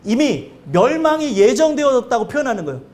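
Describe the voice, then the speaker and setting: A male pastor giving a sermon, earnest and conversational, with lively anecdotes. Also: very high-pitched, a little fast.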